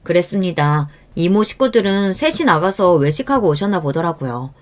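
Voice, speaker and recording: A woman's voice: lowish voice, lively intonation, moderate pace. Woman narrating a personal story. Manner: reflective first-person storytelling. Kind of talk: reading a true-life story.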